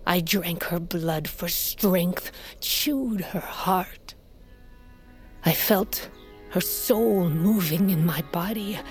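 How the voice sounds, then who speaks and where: An actress playing a fierce, aging tribal queen and mother in an audio drama, speaking in a grave, measured way and sometimes coughing from sickness. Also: a little mellow, soft background music. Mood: grim recounting. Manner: grave, measured, low storytelling delivery. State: sickly, coughing.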